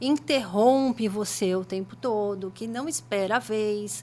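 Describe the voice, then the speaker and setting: A woman talks in a plain, everyday voice with a fairly high pitch. Her intonation is lively. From São Paulo state, Brazil (São Bernardo). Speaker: mother speaking about ADHD. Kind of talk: podcast interview.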